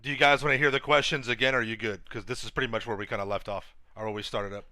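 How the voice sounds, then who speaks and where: A man hosting a livestream, giving casual, halting, informal commentary with some swearing. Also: mid-range voice, fairly even intonation, sharp tone, no echo. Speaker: livestream host.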